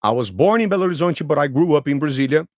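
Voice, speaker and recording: A man's voice: a little high, animated, racing, a little mellow, no echo. Man in his thirties, Brazilian Portuguese accent, native Portuguese speaker, teacherly, repeats every sentence, dry close sound. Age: 30s. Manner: repeats and rephrases each sentence for learners. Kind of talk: slow storytelling lesson for learners.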